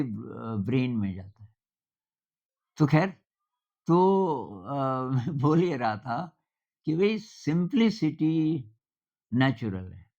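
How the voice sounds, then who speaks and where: An older man giving an informal talk, speaking in a conversational, anecdotal way with thoughtful pauses. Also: mid-range voice, a little mellow, muffled recording.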